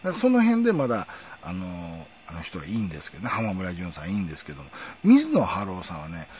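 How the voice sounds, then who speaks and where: A middle-aged man with a Kansai accent rambles through a casual monologue, his low voice swooping up and down. He drifts between thoughts and chuckles as he goes. The recording sounds dull and lo-fi. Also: huge pitch swings, fast talker, darkish tone, slightly rough. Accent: Kansai Japanese. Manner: rambling, reminiscing, chuckling asides.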